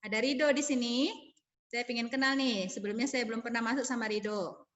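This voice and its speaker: A woman's voice: fairly high pitch, fairly even intonation, fairly quick, fairly bright tone, muffled recording. A woman teacher, leading an online math class over a video call, calling on students by name and walking through formulas step by step.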